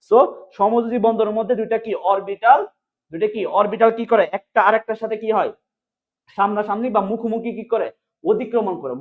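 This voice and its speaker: A man teaching chemistry in an online exam-prep class, drilling students with quick repeated questions. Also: high-pitched. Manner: fast, repetitive question-and-answer drilling. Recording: phone-like narrow sound.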